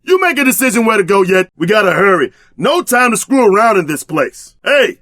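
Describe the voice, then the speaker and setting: A man playing a brash, loyal tough-guy sidekick in an action video game, with slangy, streetwise, expressive delivery. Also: high-pitched, brisk, no room sound, clean studio sound, full character voice. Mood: impatient.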